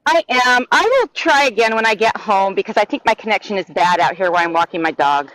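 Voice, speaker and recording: A woman phones in from outside as she walks her dog. Her connection keeps lagging and stuttering, so her words drop and repeat. She talks haltingly, full of fillers and restarts, at an ordinary pitch for a woman. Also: expressive, fairly bright tone, low-quality recording. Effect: choppy, lagging internet connection. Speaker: caller. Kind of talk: call-in chat on a live stream. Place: outdoors, walking her dog.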